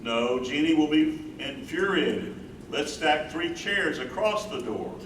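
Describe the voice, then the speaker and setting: A man's voice: a little high, lively intonation, slow, far from the mic. A man playing an earnest, grieving older husband who cares for his wife, in a dramatic staged play reading. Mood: urgent. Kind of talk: staged play reading, first-person narration. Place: live staged reading in echoey room. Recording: roomy, noisy stage recording from afar.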